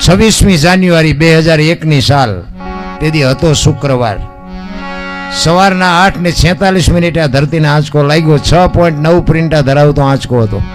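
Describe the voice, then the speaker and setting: A man with a Gujarati accent performing folk storytelling on stage, breaking into loud rhythmic rhymed recitation. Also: a little high, normal speed. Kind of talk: Gujarati lok dayro storytelling. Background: music.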